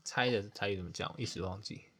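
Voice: deep voice, fast, fairly bright tone. A speaker, chatting casually while guessing words in a game. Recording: noisy online call with clicks.

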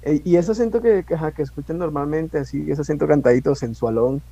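A man with a Bogotá Colombian accent, a podcast guest chatting in a relaxed, agreeable way. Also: on the high side, quick pace, gravelly, dry recording, lo-fi sound. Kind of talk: casual chat.

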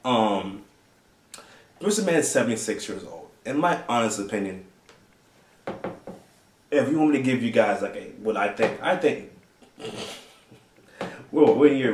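A man's voice: on the low side, a little mellow, slight background noise. Rambling young man in a roomy space. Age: 20s. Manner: rambling, laughs often. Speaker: host. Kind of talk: casual solo commentary. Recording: roomy, distant from the mic.

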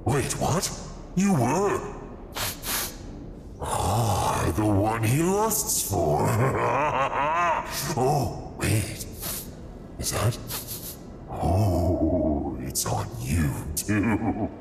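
Audio drama troublemaker, played by a man: low, gravelly, crude and playful, echoey with background noise. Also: sing-song, extremely slow, long pauses, heavily acted. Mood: amused, prying. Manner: rambling, playful, cheeky.

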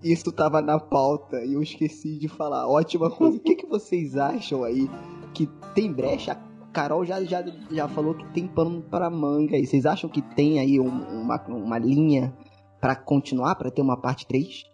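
A man's voice: on the high side, normal speed, warm tone, dull audio, soft background music. A man hosting a podcast in casual chat, hesitant, with frequent stammering restarts. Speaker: podcast host.

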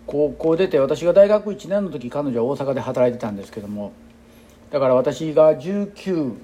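This is a man in his sixties who speaks with a Kansai accent, an exercise instructor musing aloud in a loose, chatty monologue. His voice sits a little high for a man. It has a soft, mellow color. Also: animated, moderate pace. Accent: Kansai Japanese. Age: 60s. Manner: rambling, chatty and reflective. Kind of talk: casual spoken monologue.

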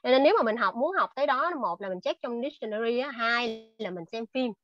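On a video call, a woman invited to speak offers advice earnestly in a casual way, full of fillers and frequent sentence restarts. Her voice sits on the high side with a fairly bright tone, and she talks fairly quickly. The call audio is dull and lo-fi.

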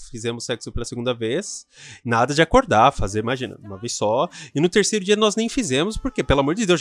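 A Brazilian man, a sex coach, hosting a podcast in a casual, animated monologue that keeps checking in with the listener. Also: mid-range voice, no room sound. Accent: Brazilian Portuguese. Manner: animated, chatty, often checks in with "né?" and "certo?".

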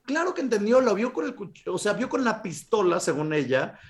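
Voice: medium pitch, very animated, fairly quick. A Mexican podcast host telling a true-crime story in a blunt, opinionated, casual way.

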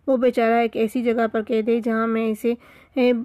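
A woman's voice: a little high, level tone, darkish tone, no echo, clean studio sound, natural voice. Woman reading as a boastful cheeky monkey. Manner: teasing, boastful.

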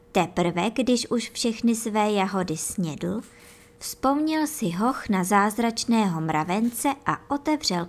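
A bedtime story for children is read aloud by a woman whose mid-range voice has a creaky quality. She tells it gently and vividly, addressing the young audience directly.

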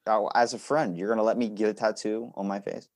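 A man's voice: lowish voice, flat delivery, fast, darkish tone. A man hosting a podcast, chatting casually in a joking way with some casual swearing. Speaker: podcast host.

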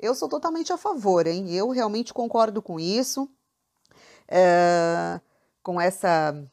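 A woman's voice: medium pitch, animated, takes it slowly, a little mellow. Chatty woman hosting a podcast. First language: Portuguese. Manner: chatty, addresses the listener directly. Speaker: podcast host. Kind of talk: casual language-learning podcast talk.

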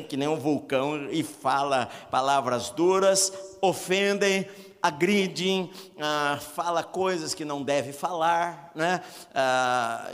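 A man's voice: fairly high pitch, big-room sound. A man preaching a sermon on marriage, earnest and repetitive, with many filler sounds between phrases. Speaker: pastor.

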